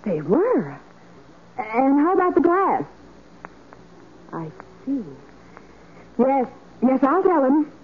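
Detective's girl Friday, female, animated and practical, old-time radio delivery, narrow hissy sound. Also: high voice, takes it slowly, long pauses, exaggerated voice. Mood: businesslike. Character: brisk, sensible female detective's assistant. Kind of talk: 1940s radio acting. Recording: noisy, tinny 1940s radio recording.

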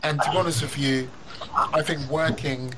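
Rambling host over loud noise. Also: male voice, fairly high pitch, steady tone, normal speed. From London. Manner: rambling, many restarts and "you know"s. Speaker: podcast host. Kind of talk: casual interview.

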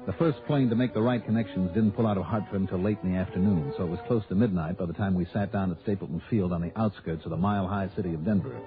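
A wry insurance investigator narrates his case at a quick clip, as a man plays him in a vintage radio drama. His voice sits low and moves fast. It comes through a thin, phone-like old broadcast with music under it. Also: close to an everyday voice. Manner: dry, easygoing, quick narration.

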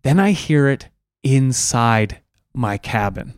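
A man's voice: mid-range voice, animated, slow pace, clean tone, no echo, clean studio sound. A man co-hosting a comedy podcast, rambling through a spooky story with plenty of fillers. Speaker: podcast co-host.

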